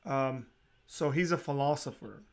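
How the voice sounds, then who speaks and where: A man hosting a casual interview, talking in a relaxed, rambling way with frequent restarts and small laughs. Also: mid-range voice, measured pace, vocal fry, heavy background noise. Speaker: podcast host.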